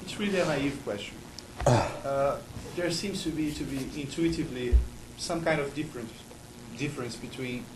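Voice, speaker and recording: A man speaks with ordinary pitch variation, with audible room echo and noticeable background noise. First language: not English. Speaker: audience member. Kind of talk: question and answer. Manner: halting.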